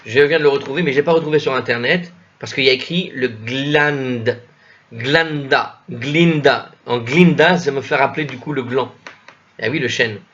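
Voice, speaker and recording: A man leads a casual commented reading, thinking aloud as he goes. He hesitates, corrects himself and slowly sounds out unfamiliar words at a middle pitch. The recording is dull and lo-fi. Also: a bit bright. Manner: spells out Hebrew and Old French words slowly. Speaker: Talmud study teacher.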